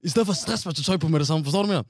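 A man chatting casually and teasingly with a friend, playful and full of slang. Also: on the high side. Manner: playful, teasing, lively, mixes Danish with English slang. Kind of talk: casual chat.

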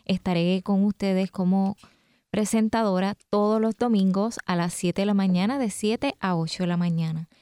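A woman hosting a radio talk show from a studio, speaking in a measured, explanatory way. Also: medium pitch, fairly even intonation, dark tone, clean tone. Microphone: studio microphone.

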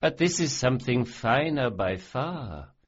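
A man's voice: mid-range voice, very animated, a little slow, muffled recording, pitched above the performer's own voice. A man voicing a smug, cruel male sorcerer who sneers and relishes every cruelty. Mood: gloating.

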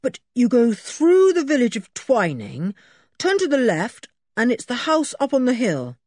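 A woman's voice: a little high, wildly swooping pitch, measured pace, darkish tone, no echo, studio quality, pitched above the performer's own voice, full character voice. Woman doing an earnest schoolboy leader. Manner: earnest, explaining, matter-of-fact. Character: sensible older schoolboy, the leader.

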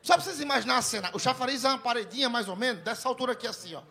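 A young Northeastern Brazilian man from Ceará works a live comedy crowd, delivering crude, animated stories in which he plays out the dialogue. His voice is very high-pitched, gravelly and very fast.

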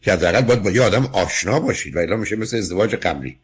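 Radio advice host, male, very low and husky, firm and lecturing. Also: expressive. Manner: firm, lecturing, interrupts with questions. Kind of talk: call-in advice counseling.

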